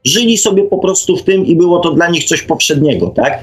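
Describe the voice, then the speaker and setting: A man's voice: fairly high pitch, animated, fairly quick. A man in an informal radio discussion, explaining his points and checking them with short question tags. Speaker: talk show participant.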